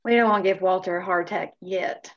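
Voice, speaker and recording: A woman's voice: fairly low pitch, fairly even intonation, fast, lo-fi sound, lightly acted. A woman reading a chatty, welcoming small-town family woman at a screenplay table read, folksy in manner.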